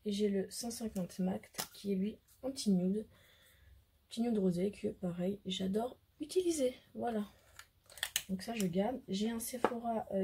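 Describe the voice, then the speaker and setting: Hoarse French woman, beauty vlogger, casual hesitant chat to camera, mid-pitched, faint hiss behind. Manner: chatty, hesitant, many fillers. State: hoarse, losing her voice.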